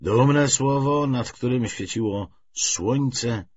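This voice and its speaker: A man narrating a literary audiobook in an expressive scripted style, on a slightly dull recording. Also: mid-range voice, slow, breathy edge.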